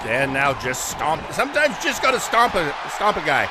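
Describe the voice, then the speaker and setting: A man doing live play-by-play as a wrestling commentator, with exclamatory, drawn-out calls. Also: fairly high pitch, sing-song. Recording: loud crowd and music behind. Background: crowd noise, music, ring thuds.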